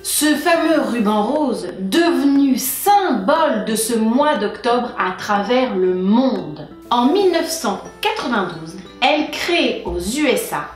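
A woman's voice: on the high side, big pitch swings, slow, hardly any pauses. A young woman hosting a breastfeeding channel, explaining a topic in an informative vlog with playful asides. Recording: echoey room with faint music.

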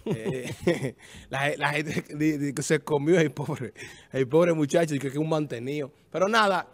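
This is a man hosting a chatty TV program. His voice sits high for a man. He talks emphatically, hammering and repeating his points about staying positive. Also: measured pace. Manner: emphatic, repeats words, preachy about optimism. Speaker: TV show host. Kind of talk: casual studio banter on a TV show.

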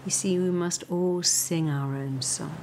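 A woman with an English accent leading a guided meditation, speaking slowly and soothingly, sometimes dropping into a breathy near-whisper. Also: lowish voice, steady tone, dark tone, a little hiss or hum. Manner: slow, soothing, breathy at times. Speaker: hypnotherapist guiding a meditation.

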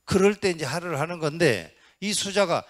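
Speaking at normal speed in a slightly high, expressive voice, a middle-aged Buddhist monk leads an interactive sermon in a Buddhist hall. He questions and gently prods the audience, even performing the shouts he talks about.

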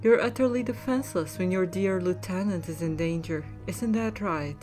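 A smug young villainess, acted by a woman in an audio drama, mocking and menacing. Her voice sits fairly low, with faint music underneath. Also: darkish tone, lightly acted. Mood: taunting. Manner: mocking, deliberate. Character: taunting female kidnapper in late twenties, smug, menacing. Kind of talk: fan audio drama acting.

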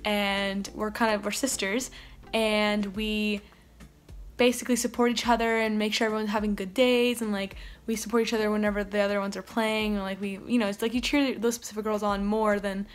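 A teenage girl vlogging casually from her bedroom, her voice a bit raspy and deep, with lots of "um" and "like" fillers. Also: fairly even intonation, a little fast. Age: teens. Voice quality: slightly raspy, deep from games. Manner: chatty, many fillers like "um" and "like". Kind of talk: casual vlog chat. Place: bedroom, indoors. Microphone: phone or camera close up, later farther off.

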